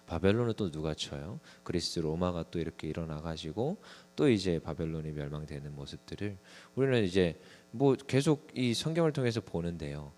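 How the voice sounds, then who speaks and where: A man's voice: sits low, a little fast, few pauses, faint music behind. A young man preaching a conversational sermon to a small congregation, acting out little scenes as he goes. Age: young adult. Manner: conversational, lively sermon with acted asides to the congregation.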